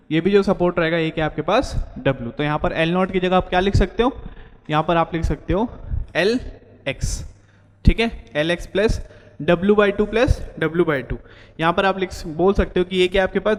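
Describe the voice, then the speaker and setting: High-voiced man lecturing with self-questions. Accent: Indian English. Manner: repeats his own questions and answers them. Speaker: engineering lecturer. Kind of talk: whiteboard lecture in Hindi-English mix. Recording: long hall reverb.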